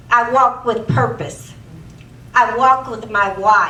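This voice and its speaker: Against noticeable background noise, a woman speaks at a fairly slow pace. Her high pitch moves with ordinary variation. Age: 60s. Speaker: conference speaker and author. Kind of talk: motivational talk.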